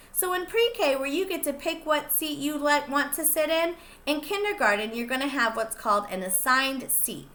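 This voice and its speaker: Sing-song woman teacher reading to children. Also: high voice. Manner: sing-song, slow and expressive, addressing young children. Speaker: pre-K teacher. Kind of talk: children's read-aloud.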